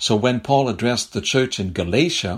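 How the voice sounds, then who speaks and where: With a French Canadian accent, a man talks in a somewhat breathy voice and lively intonation. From Quebec. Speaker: theology professor. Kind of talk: reading aloud.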